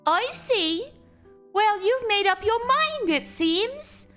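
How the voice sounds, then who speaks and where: A haunted, guilt-ridden mother, as a woman plays her, her high voice slow and measured as she broods. Faint music plays behind her. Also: animated, fairly bright tone, heavily acted. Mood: gentle. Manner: anxious, brooding inner monologue. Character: frightened, guilt-ridden mother of a strange child.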